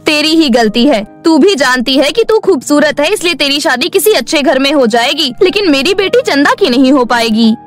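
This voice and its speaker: A woman voicing a harsh, bitter stepmother in a cartoon moral story, sharp-tongued, sarcastic and nagging. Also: high-pitched, lively intonation, moderate pace, hardly any pauses. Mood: spiteful. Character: harsh, bitter, scolding middle-aged stepmother. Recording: faint music bed behind voice.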